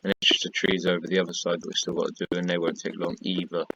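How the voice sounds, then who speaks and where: A very low-pitched man whose voice is worn and tired, chatting through a building tutorial in a casual, repetitive way. The sound is dull and lo-fi, with faint keyboard and mouse clicks in the background. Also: completely flat delivery, fast, gravelly, sharp tone, slight background noise. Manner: chatty, repetitive counting and pointing while building. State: tired, losing his voice. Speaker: gaming tutorial creator.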